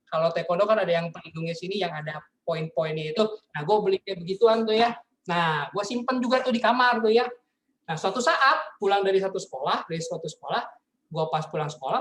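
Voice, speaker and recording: A man, telling stories casually as a motivational business speaker on a video call, often turning to address his listeners as friends. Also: high-pitched. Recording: echoey room sound.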